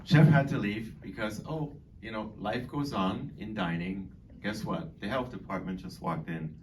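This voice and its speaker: A middle-aged man, a dining director born in Boston and raised in Germany, talking loosely to residents with many fillers. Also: lowish voice. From born in Boston, grew up in Germany. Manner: rambling and chatty, many fillers. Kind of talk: informal speech to an audience. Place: community hall. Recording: far from the mic, faint background noise.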